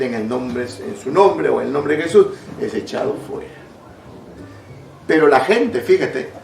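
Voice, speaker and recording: A man's voice: a little high, creaky, a little mellow. A man preaching a sermon as a pastor, telling stories with emphatic rises and drops. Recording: echoey room, distant mic, faint noise.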